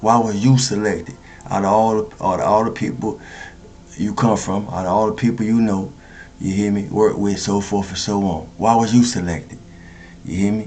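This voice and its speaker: Speaking with fairly even intonation, a man is heard with audible room echo around his voice. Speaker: spiritual motivational speaker. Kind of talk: motivational monologue. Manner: fast; halting.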